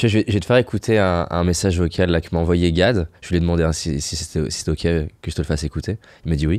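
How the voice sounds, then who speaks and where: Very deep and low, a man's voice rushes along at a very fast pace with ordinary pitch variation. The sound is dry with no echo, over a quiet background. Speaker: podcast interviewer. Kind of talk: casual interview chat. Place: studio. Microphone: studio mic.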